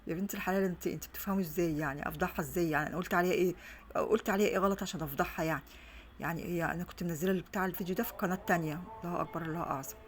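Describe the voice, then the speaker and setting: In this indoor home vlog, a middle-aged Egyptian mother talks casually in Egyptian Arabic, her pitch on the low side. Her speech wanders and restarts many times. The phone on a stand that records her adds a little hiss or hum.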